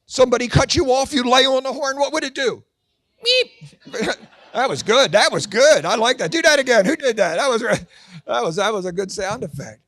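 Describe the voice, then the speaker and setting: A man in his sixties with a high voice performs a Christian stand-up routine, acting out his stories with shouts and funny voices. The sound is close and dry. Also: a little fast, no room sound. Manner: animated storytelling with acted-out voices and shouts. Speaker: Christian comedian. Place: large event hall with an audience.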